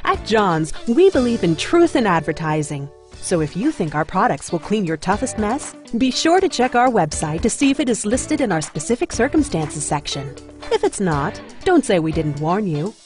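A woman reads a parody commercial as its announcer. Her mid-pitched voice moves around in a lively way over light music. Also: normal speed. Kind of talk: scripted parody ad read.

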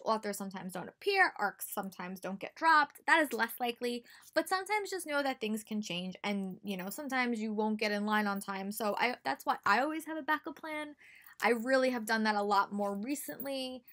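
A young adult American book vlogger speaks briskly and expressively in a somewhat high, slightly bright voice. Sitting in a small room at home, she gives casual, chatty advice to camera, emphasizing points by repeating words.

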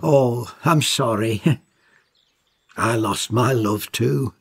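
A man voicing a gentle, soft-hearted, husky-voiced fellow in a comedy cartoon. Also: mid-range voice, extremely slow, a little hiss or hum. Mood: tender.

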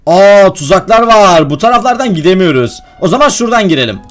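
A young man playing a video game and commenting to his viewers, excitable and quick to get worked up when the game goes wrong. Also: high-pitched, soft background music. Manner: excitable, addresses viewers as friends, gets worked up at traps. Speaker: gaming YouTuber.

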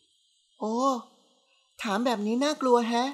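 A woman's voice: on the high side, slow pace, voice pushed up. Woman voicing a cheeky young niece. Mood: teasing. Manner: bright, coaxing and sassy.

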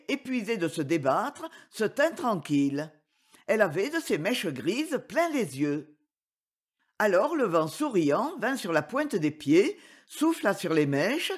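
Woman audiobook reader, gentle storybook narration, unhurried and melodic. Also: mid-range voice, sing-song, breathy edge. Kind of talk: storybook reading for children.

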